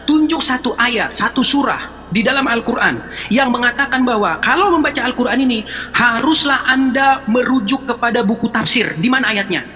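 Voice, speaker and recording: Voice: medium pitch, expressive, normal speed, bright, forceful tone. Seorang non-muslim yang belajar Al-Quran sendiri berdebat dengan nada jengkel dan terus menuntut jawaban. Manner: exasperated, challenging, repeats demands. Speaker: self-taught non-Muslim Quran reader debating. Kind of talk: heated online debate. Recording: roomy sound with faint music.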